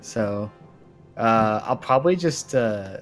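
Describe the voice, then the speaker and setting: A man's voice: fairly low pitch, animated, slow, fairly bright tone. A man chatting casually as a player in a tabletop roleplaying game. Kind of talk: casual chat during a game. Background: background music.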